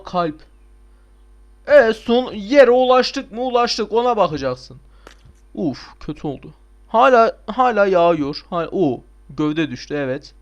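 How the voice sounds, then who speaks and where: Excitable young man with high voice. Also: dull audio. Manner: excitable, swears and shouts at the game. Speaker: gameplay commentator. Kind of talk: casual let's play commentary.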